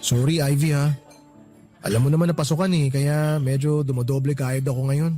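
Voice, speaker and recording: A man with a Filipino accent acting as an affectionate, easygoing boyfriend in a radio romance drama, speaking in a conversational, expressive way. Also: mid-range voice, fairly quick, soft background music, lightly acted. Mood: apologetic, curious.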